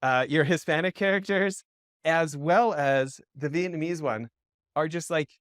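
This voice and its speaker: A man's voice: fairly high pitch, measured pace, a bit bright, smooth, no echo, clean studio sound. A man from Western Canada hosting an interview, asking rambling questions full of restarts and fillers. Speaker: podcast host. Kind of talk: casual interview.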